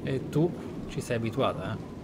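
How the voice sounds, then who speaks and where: A man giving let's play commentary, explanatory and reflective, often hushed. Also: medium pitch, animated, normal speed, very noisy. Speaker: gaming streamer.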